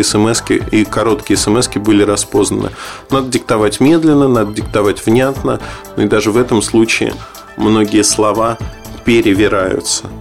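A man's voice: fairly low pitch, creaky. A man giving an informal spoken tech review in a matter-of-fact, skeptical, explanatory manner. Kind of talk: informal spoken product review, loosely scripted.

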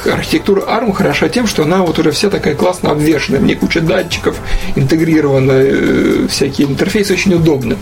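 A man's voice: on the high side, quick pace, music in the background. A man talking casually about tech in a colloquial, slangy and opinionated way, as a guest in a conversation.

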